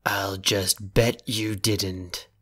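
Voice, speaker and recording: Man playing a low, slow, sardonic tycoon. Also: level tone, a bit bright, heavily acted. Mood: icy sarcasm. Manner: dry, sarcastic, clipped. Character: cold, sardonic, unflappable rich elder brother. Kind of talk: audio drama acting.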